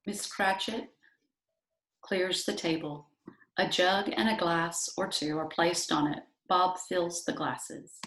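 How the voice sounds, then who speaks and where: A woman's voice: fairly low pitch, fairly even intonation, takes it slowly, a bit bright. A woman narrator reading stage directions from a script in a plain scripted style. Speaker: narrator, library staff. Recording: echoey room with background noise, clicks.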